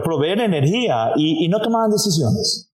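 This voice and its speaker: Lively intonation in an Ecuadorian accent. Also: man. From Ecuador, Guayaquil. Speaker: used car salesman. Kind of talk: interview.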